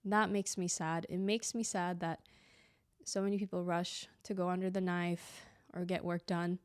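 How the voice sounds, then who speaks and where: A woman's voice: fairly low pitch, flat delivery, normal speed, no room sound, studio quality. Reflective woman podcasting, slightly stuffy. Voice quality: a bit lispy from a clear aligner. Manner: reflective, conversational, many fillers and asides. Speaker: podcast host. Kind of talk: casual solo podcast monologue.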